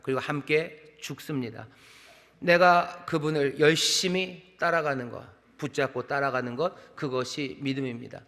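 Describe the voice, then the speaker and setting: A man's voice: a little high, normal speed, fairly bright tone. A middle-aged man, a senior pastor, preaching a sermon in a conversational style, with rhythmic repeated phrases and rhetorical questions. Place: large church sanctuary. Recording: long reverb of a large hall.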